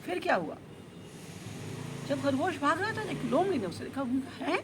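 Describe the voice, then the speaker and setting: A woman telling a children's story, animated, with spoken sound effects. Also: sits high, a little fast. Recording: noisy background.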